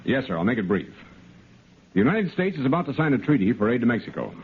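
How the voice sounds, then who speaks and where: A brisk intelligence officer. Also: male voice, medium pitch, sing-song, exaggerated voice. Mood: businesslike. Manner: crisp, businesslike briefing. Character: brisk male army intelligence lieutenant. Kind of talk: 1950s radio drama acting. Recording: tinny old radio broadcast.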